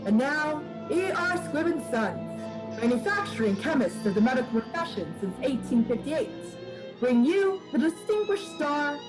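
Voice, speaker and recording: A woman playing a formal 1940s radio show announcer, grand and measured in her presentation. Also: high-pitched, low-quality recording. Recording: loud music under the voice. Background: loud music.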